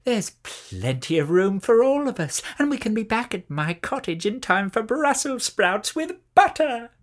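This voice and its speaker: A storyteller voicing a greedy old witch with a high, sing-song, wheedling voice for a children's story. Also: sing-song, a little slow. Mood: gloating.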